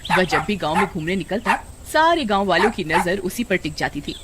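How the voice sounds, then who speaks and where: A woman narrating a cartoon storybook in an even storytelling manner. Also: lowish voice, a little fast, heavy background noise.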